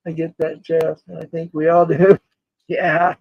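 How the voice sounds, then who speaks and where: A man's voice: on the high side, creaky, dry recording, lo-fi sound. A man in his forties hosting a casual livestream, rambling, laughing often and greeting chat viewers by name. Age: 40s. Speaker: livestream host.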